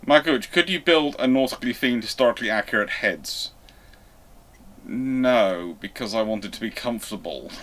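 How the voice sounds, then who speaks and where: A man's voice: medium pitch, expressive, normal speed, a bit bright. A man hosting a live question-and-answer stream, talking in a chatty, rambling way. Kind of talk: casual live Q&A chat.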